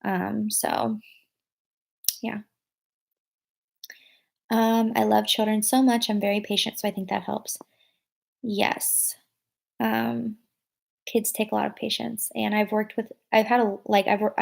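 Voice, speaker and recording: A young woman chats casually with her viewers as she answers their comments. Her talk wanders, packed with "like" and "um", and she corrects herself mid-sentence. Her voice sits at a middling pitch with a steady gravelly fry. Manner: rambling, filler-heavy, lots of "like" and "um"; thinks aloud and corrects herself. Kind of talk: casual live chat.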